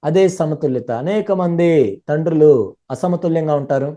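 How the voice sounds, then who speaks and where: A man interpreting a sermon live, speaking fluently and running his sentences together quickly. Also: on the high side, dark tone.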